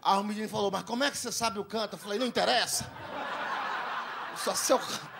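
On a comedy stage before a live audience, a young man from Ceará with a Northeastern Brazilian accent does stand-up, telling crude stories and animatedly acting out the dialogue. His voice is high, fast and creaky, and the recording is very noisy.

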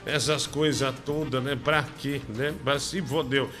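A man's voice: mid-range voice, steady tone, a little slow, over music. A man hosting a comedy show, chatting in a profane, teasing way. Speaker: show host. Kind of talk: crude comedy live show chat.

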